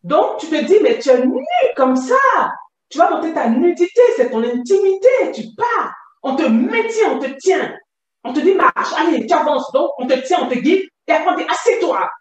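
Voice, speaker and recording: A woman giving an emotional personal testimony, halting and pained, often rising to near shouts. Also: high-pitched, sing-song. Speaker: testimony guest. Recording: echoey room, far from the mic.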